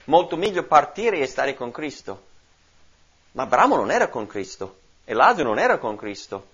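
Animated male Bible teacher, lively sermon delivery, muffled lo-fi recording. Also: medium pitch, normal speed, husky. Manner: animated, explaining and asking the listeners questions. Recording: dull lo-fi recording.

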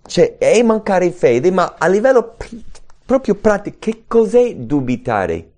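A man preaching a sermon in an animated way, who acts out anxious inner voices. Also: high-pitched, a little slow.

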